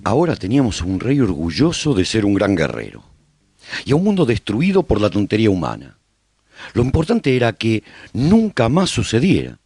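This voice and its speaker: A low male voice with sweeping, highly animated intonation , an actor as a haunted survivor chronicling the end of the world. The delivery is theatrical and emphatic, like a reflective storyteller in a radio serial. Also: husky, no echo, studio quality, full character voice. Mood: reflective, troubled. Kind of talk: dramatised first-person scripted narration for radio serial.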